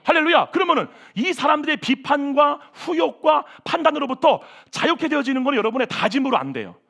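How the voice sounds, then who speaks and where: A man preaching a sermon as senior pastor at a church service, animated and exclamatory, with self-mocking asides. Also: very high-pitched, a little fast, gravelly.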